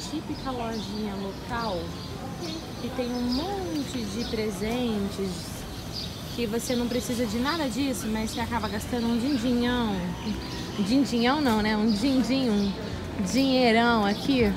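Loud background noise sits under a woman's voice with ordinary pitch variation. She talks at a fairly slow pace with long, frequent pauses. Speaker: travel vlogger. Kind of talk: casual vlog chat.

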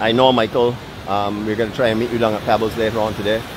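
Talking at a very fast pace in a monotone, flat intonation, a man is recorded with a dry sound with no echo and noticeable background noise behind him. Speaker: vlogger narrating a beach walk. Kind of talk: casual vlog chat. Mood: playful teasing. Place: beach. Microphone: phone near.

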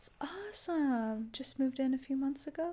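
Soft-spoken and gentle in tone, a woman with a high pitch talks at a fairly slow pace, her pitch varying in an ordinary way. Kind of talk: role-play chat to the viewer. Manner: soft-spoken, gentle close-mic ASMR voice. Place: home room.

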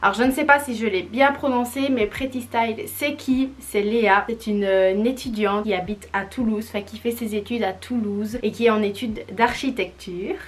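The speaker is a woman with ordinary pitch variation. She moves at a moderate pace. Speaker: lifestyle youtuber. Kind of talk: casual vlog chat. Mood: warm, enthusiastic. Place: home room. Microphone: camera far.

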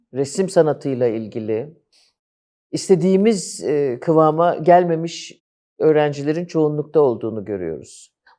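A man's dark, mellow tone. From Istanbul, Turkey. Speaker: art professor. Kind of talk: interview.

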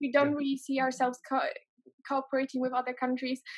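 A woman with a Polish accent speaks in a high pitch. Her intonation is monotone and flat, and the background is quiet. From Poland. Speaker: program coordinator, interviewer; interviewer. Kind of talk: interview. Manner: hesitant. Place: home room. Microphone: video call.

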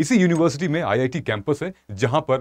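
A man speaks at a moderate pace in a fairly high pitch, the background quiet. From eastern Uttar Pradesh, Ghazipur; Uttar Pradesh, India. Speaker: exam-prep educator. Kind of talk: news explainer video lecture. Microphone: lapel.

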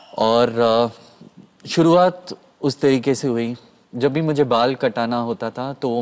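A man speaks very slowly. The rise and fall of his pitch is ordinary. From Mumbai, India; India. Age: 30s. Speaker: abuse survivor; guest. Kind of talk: testimony. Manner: halting. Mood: serious, painful recollection. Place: studio. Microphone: lapel.

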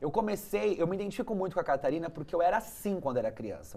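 With very fast delivery, the man's intonation is lively. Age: 20s. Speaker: children's entertainer; guest. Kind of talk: casual chat. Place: studio. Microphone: handheld.

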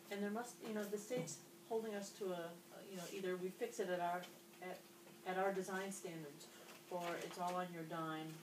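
The pace is fairly quick. Noticeable background noise runs underneath. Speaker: board member. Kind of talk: public board meeting. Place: meeting room. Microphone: camera far.

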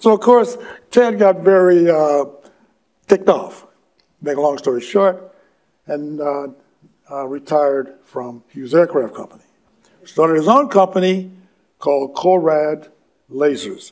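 Against a quiet background, a man with a high pitch talks at a fairly slow pace, with long, frequent pauses and big swings in loudness. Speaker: retired laser engineer. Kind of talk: onstage interview. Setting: stage with audience. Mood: warm, humorous storytelling. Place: hall.

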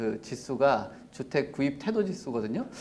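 At a fairly slow pace, a man with a plain, everyday voice speaks at a fairly high pitch with lively intonation. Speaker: show host. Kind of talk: interview, casual live talk.

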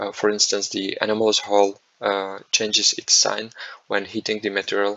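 Speaking at a moderate pace in a Czech accent, the voice stays monotone with flat intonation. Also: man. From Czechia. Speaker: PhD student. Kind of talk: conference talk. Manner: hesitant with fillers.

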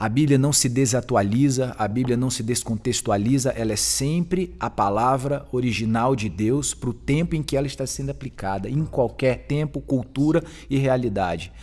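This is a man with a plain, everyday voice at medium pitch. He keeps a moderate pace with hardly any pauses and ordinary pitch variation. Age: 40s. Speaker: pastor; pastor, podcast guest or host. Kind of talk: casual chat. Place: studio. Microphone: studio mic.

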